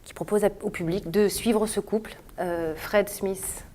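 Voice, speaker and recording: A woman's voice: mid-range voice, fairly even intonation, a little slow, dark tone, a little hiss or hum. A woman, a guest playwright and actress, explaining her play articulately in a studio interview with occasional fillers. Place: web TV studio.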